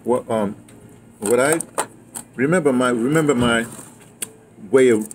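A man's voice: medium pitch, unhurried. An older American man telling stories from his life in casual conversation, rambling and emphatic, recorded outdoors at a table. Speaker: interview guest, playwright and audio dramatist. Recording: noisy outdoor ambience on open mic.

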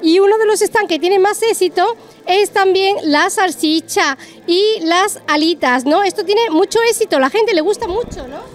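A woman's voice: very high-pitched, moderate pace. A middle-aged woman, chatting effusively as an on-location reporter doing interviews. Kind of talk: on-location event interviews and commentary. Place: busy hall at a Christmas market. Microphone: handheld reporter microphone. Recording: crowd chatter in busy hall.

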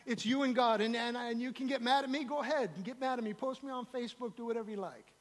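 High-voiced American pastor preaching in hall. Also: male voice, fairly even intonation, fast. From United States. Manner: preaching with emphatic repetition, swinging between loud declarations and low asides. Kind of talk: live sermon. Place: church hall. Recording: live church sermon with long hall reverb.

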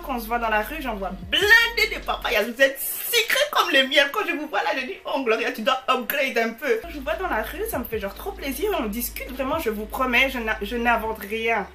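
A bubbly woman in her early twenties vlogging casually to her viewers. Her voice sits a little high and rings bright and forceful. She chats loosely, full of slangy fillers, over faint background music. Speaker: YouTuber answering viewer messages. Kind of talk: casual chat to camera.

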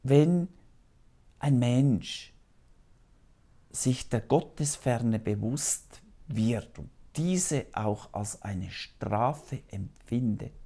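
A priest in his fifties preaches a solemn sermon to camera from a small TV studio. He speaks very slowly and earnestly, in a dark, mellow voice with a gravelly edge. The lapel mic keeps him close and clear. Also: mid-range voice, lively intonation. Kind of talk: televised sermon.

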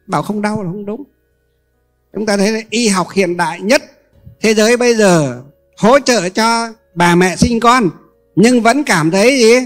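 A male Buddhist monk giving a dharma talk to an audience, posing rhetorical questions and pausing often with fillers. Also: sits high. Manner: rhetorical questions to listeners, many filler pauses.

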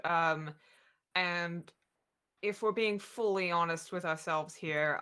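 A woman speaks candidly as a writer on a video-call panel. Her voice is quite deep for a woman, with a bright, crisp edge. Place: indoor room, video call.

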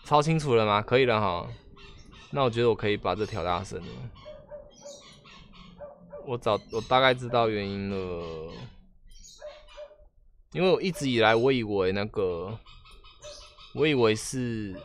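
A man's voice: lowish voice, animated, measured pace, long pauses. A man with a Taiwanese Mandarin accent chatting casually on a live game stream, asking viewers questions and often trailing off and restarting.

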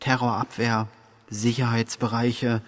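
An actor playing a sharp-tongued investigator in a crime radio play, with a pointed, sardonic manner. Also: male voice, medium pitch, little pitch movement, a little slow, lightly acted. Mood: accusing. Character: sharp-tongued male investigator, the inspector's partner. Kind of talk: German crime audio drama acting. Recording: long hall reverb.

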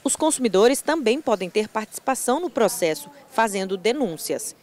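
A woman narrating a scripted news report in a measured, formal way. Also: a little high, animated, a little hiss or hum.

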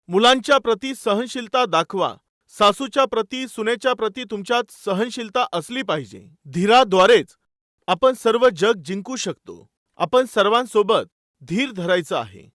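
High-voiced man preaching a sermon. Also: lively intonation, normal speed, fairly bright tone, no echo, studio quality. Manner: addresses listeners as dear brothers and sisters; tells illustrative stories with quoted dialogue.

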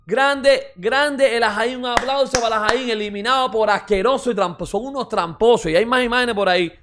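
A man's voice: very high voice, fast talker, noisy background. A man giving casual mocking football reaction commentary as a streamer, repeating exclamations, swearing and ranting.

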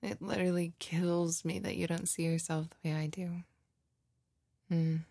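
Girl acting as a sweet doting girlfriend for asmr roleplay, soft husky breathy woman, takes her time, really close and dry. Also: lowish voice, fairly even intonation, moderate pace, no echo. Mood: tender, soothing. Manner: cooing, gushing, breathy, often giggling. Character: doting, lovey girlfriend, tenderly comforting her partner. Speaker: roleplay audio performer.

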